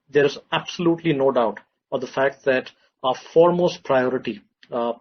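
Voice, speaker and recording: A businessman with an Indian accent presents on a conference call in a husky voice. He restates his points for emphasis. The audio is dull and a little muffled. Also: mid-range voice. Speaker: retail executive. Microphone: conference call line.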